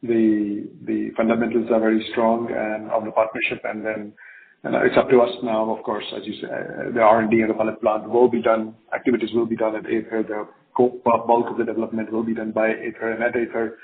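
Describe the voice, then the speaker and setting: A man's voice: on the low side, completely flat delivery, a little fast. Confident male executive on a phone line. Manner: confident, emphatic, often ends phrases with "right?". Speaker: company executive answering analyst questions. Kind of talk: earnings call Q&A, spontaneous business talk. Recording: narrow, phone-like conference call line.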